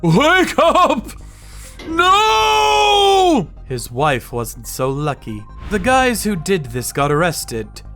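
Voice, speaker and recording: A man giving scripted, dramatic first-person narration for a manga dub in a deliberate, grim manner. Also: mid-range voice, sing-song, fairly bright tone, soft background music. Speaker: narrator and lead character, a torture sommelier.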